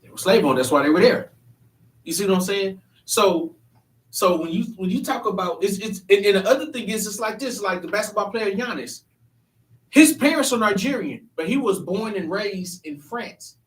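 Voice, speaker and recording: A man's voice: high-pitched, animated, moderate pace. Earnest man hosting, echoey room. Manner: earnest, emphatic, often restarting sentences. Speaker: panel host. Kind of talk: church panel discussion. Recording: echoey room, mic at a distance.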